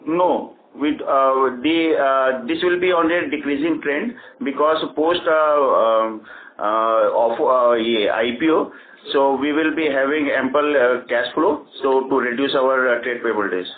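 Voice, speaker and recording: A man, a company executive giving halting, hesitant answers to financial questions on a call. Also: medium pitch. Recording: noisy narrow phone line.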